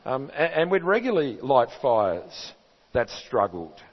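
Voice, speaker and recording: A man's voice: mid-range voice, very animated, measured pace, husky, some chatter behind. An Australian man preaching a sermon as pastor, earnest and emphatic, asking his listeners rhetorical questions. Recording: reverberant hall, dull sound.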